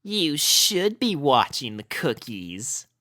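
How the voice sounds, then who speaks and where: A man's voice: on the high side, very animated, slow, bright, forceful tone, dry recording, studio quality, voice pushed up, heavily acted. A man voicing a cocky, sly young girl pony with a coy, teasing manner in a storybook reading.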